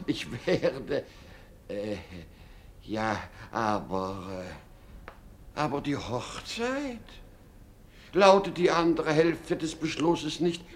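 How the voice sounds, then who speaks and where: An old king with a high voice that swings up and down theatrically. He is pompous and flustered, dithering slowly through his royal pronouncements in classic radio comedy style. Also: animated, slight background noise, full character voice. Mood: confused, hesitant. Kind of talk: theatrical German radio play acting.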